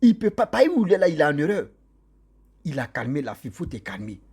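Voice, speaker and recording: A man's voice: fairly high pitch, very animated, brisk, darkish tone, slightly rough. A man telling a ghost story casually, laughing often and acting out the people in it.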